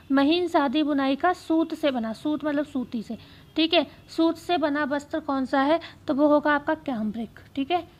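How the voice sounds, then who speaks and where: High-voiced woman teaching exam prep. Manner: repeats key phrases slowly for dictation.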